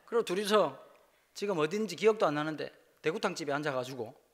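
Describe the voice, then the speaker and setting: A man with a Busan-area Gyeongsang accent preaches at a church revival, spinning comic personal stories. His voice sits high and bright, and he swings his pitch widely as he jokes and acts out bits of dialogue. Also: fast talker. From Busan, South Korea. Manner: lively, jokey, acts out dialogue in dialect. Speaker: guest pastor preaching a revival service. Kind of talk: humorous storytelling sermon. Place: church sanctuary.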